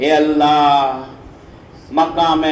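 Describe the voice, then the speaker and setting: Male voice over noticeable background noise. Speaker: Islamic scholar leading a supplication gathering. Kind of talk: Urdu supplication, heartfelt dua. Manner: pleading, emotional, rhythmic.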